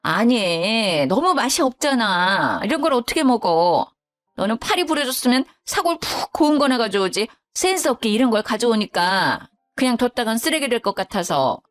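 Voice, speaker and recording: Woman playing a blunt sulky old mother-in-law, low grumbling voice, faint music behind. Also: very animated, normal speed, a bit bright. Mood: defensive. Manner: blunt, sulky, self-pitying. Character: curt grumbling widowed older mother-in-law.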